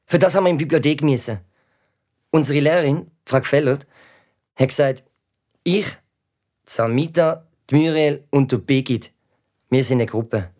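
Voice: medium pitch, normal speed, long pauses, a little mellow, natural voice. A performer voicing a cheeky, grumbling schoolboy, who narrates and mocks others in a children's audio drama. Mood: sulky. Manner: sulky, sarcastic, grumbling. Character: cheeky gamer schoolboy, grumpy and mocking. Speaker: narrating lead character.

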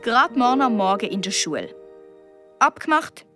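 A woman reading a children's story, voicing a gentle, sad father who speaks quietly and slowly with a Swiss German accent. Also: big pitch swings, music in the background. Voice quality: quiet, slow and low.

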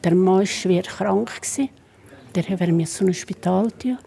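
A woman's voice: mid-range voice, moderate pace, creaky, warm tone. Older Upper Valais woman, hesitant. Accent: Upper Valais Swiss German. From Upper Valais, Switzerland. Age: 70s. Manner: hesitant, repeating words. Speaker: interview guest. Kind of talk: radio interview.

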